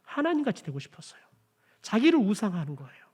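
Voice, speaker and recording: A man preaching a Sunday sermon as pastor in a church. He keeps addressing the congregation directly, asks questions and answers them himself, and swings between emphatic lines and hushed ones. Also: high-pitched, sing-song, fast, slightly rough. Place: church sanctuary.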